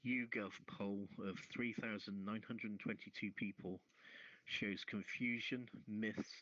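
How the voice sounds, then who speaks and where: A man hosting an online radio talk show, reading news stories and talking a little haltingly between them over muffled audio. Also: on the low side, steady tone, fairly bright tone, no room sound.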